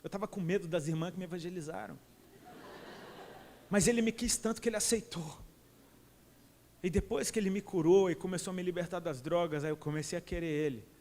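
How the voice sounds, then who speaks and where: High-voiced Brazilian preacher in a reverberant hall. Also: male voice, fairly quick, pauses often, a little mellow. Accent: Brazilian Portuguese. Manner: impassioned, colloquial, calls listeners "cara". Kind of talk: sermon. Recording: long reverb of a large hall.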